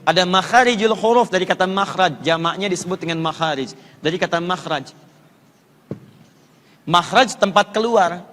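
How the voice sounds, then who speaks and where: A man preaching to a live audience, teaching the sounds of Arabic letters by repeating them over and over and joking gently with volunteers. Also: sits high, moderate pace, slight background noise. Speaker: Islamic preacher teaching Quran recitation. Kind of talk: live religious lecture with volunteers. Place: lecture hall before an audience. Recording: long reverb of a large hall.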